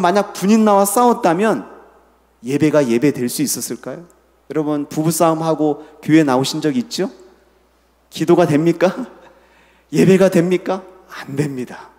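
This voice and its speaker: Middle-aged Korean pastor preaching in a reverberant sanctuary. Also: male voice, a little high, a little mellow. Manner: leads the congregation in reading scripture aloud; asks the listeners questions. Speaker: senior pastor. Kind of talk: sermon. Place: church sanctuary. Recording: long hall reverb.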